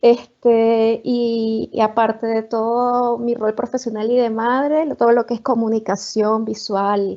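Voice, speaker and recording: This woman speaks with a Venezuelan accent. Her pitch is fairly high and her pace fairly slow. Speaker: marketing executive. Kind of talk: online talk. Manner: hesitant with frequent fillers.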